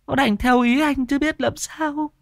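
A man voicing a grieving, frightened old grandmother in a high falsetto, wailing and begging in a ghost story. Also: steady tone, a little slow, vocal fry, no room sound, clean studio sound, heavily acted. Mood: tearful.

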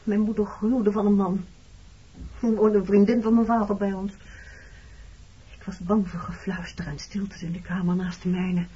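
A woman's voice: mid-range voice, little pitch movement, normal speed, long pauses, dark tone, slightly rough. An actress playing a wounded, reproachful married woman in a Dutch radio play, speaking frankly about her past. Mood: confiding, fearful. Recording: dull, muffled old radio recording.

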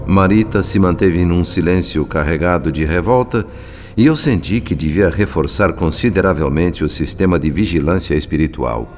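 A man's voice: low voice, normal speed, darkish tone, slight background noise, lightly acted. A man with a Brazilian accent playing a grave, watchful spirit who narrates a radio drama in literary, solemn style.

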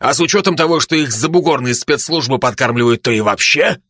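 A man doing a husky, serious special-forces dog. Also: mid-range voice, expressive, a bit bright, no echo, studio quality. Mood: matter-of-fact. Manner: measured, patient, explaining.

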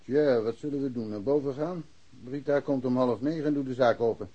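An actor playing an easygoing, good-humoured small-town policeman, jovial and unhurried, in a naturalistic radio drama. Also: medium pitch, dark tone, husky, highs cut off, natural voice. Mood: welcoming, practical.

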